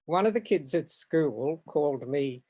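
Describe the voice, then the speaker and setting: A man in his seventies from Far North Queensland with an Australian accent, telling stories from his life in a hesitant, halting way over a video call from home. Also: fairly high pitch, expressive, dark tone. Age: 70s. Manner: hesitant, halting, with frequent ums and restarts. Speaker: guest artist. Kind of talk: reflective storytelling in an interview.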